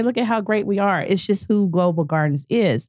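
In a very clean recording with a silent background, a woman with an unremarkable speaking voice talks at a medium pitch with lively intonation. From Oklahoma (Tulsa). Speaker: nonprofit program staff. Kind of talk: casual interview.

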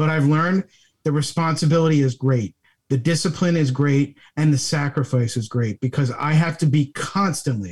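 A man with an American accent speaks at a moderate pace in a fairly high, somewhat breathy voice, with ordinary pitch variation and very even loudness. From US Northeast, South Jersey. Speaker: wellness coach. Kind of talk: casual interview.

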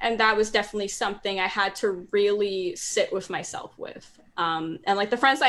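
A woman with an American accent talks in a normal speaking voice at a medium pitch. Her pace is fairly quick and her intonation fairly even. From Northern New Jersey. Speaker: singer-songwriter. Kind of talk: casual interview.

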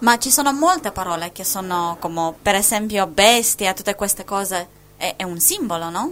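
The woman's intonation is lively, and her pitch is medium. She keeps to a moderate pace. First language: Spanish (speaking Italian). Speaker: religious show host. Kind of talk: scripture reading.

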